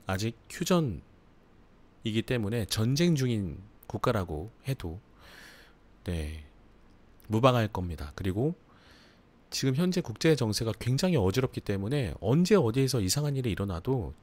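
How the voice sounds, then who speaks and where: A man's voice: mid-range voice, a little mellow. A man hosting a live book review, chatting casually with frequent laughs and fillers. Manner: chatty, laughs often, filler-heavy asides. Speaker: book channel host.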